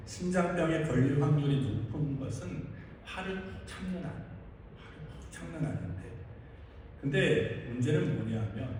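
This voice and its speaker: In a large church sanctuary, a male pastor with a slightly high, somewhat mellow voice preaches to his congregation. He often poses questions to them and then answers them himself. The audio comes from a distant mic in an echoey hall, with faint noise.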